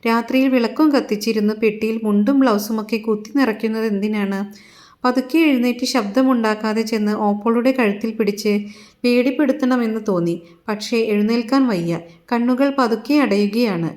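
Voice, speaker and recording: A woman narrating a literary audio story in a gentle, measured way. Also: a little high.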